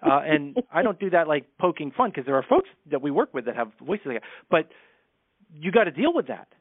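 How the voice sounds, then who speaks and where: A man's voice: on the high side, sing-song, no room sound. Man coaching on a tinny line. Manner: brisk, coaching, candid. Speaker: communication coach. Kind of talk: podcast interview. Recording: tinny phone-like line, dry.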